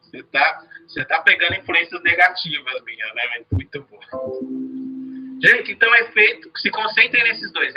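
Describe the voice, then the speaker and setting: A man's voice: high-pitched, husky, lo-fi sound. A man teaching a casual review lesson, chatty, often checking in with "né?". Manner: chatty, repeats words and asks "né?".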